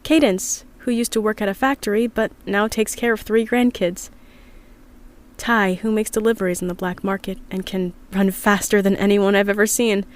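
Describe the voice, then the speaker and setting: A woman's voice: medium pitch, fairly even intonation, moderate pace, natural voice. An actress playing an upset, earnest young woman from an underground community, confiding hesitantly in an audio drama diary. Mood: sad, subdued. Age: young adult.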